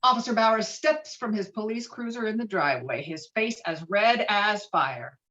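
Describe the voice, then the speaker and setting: A woman's voice: medium pitch, moderate pace, fairly bright tone, lo-fi sound. A woman narrating screenplay stage directions with a dramatic, emphatic read on a video call.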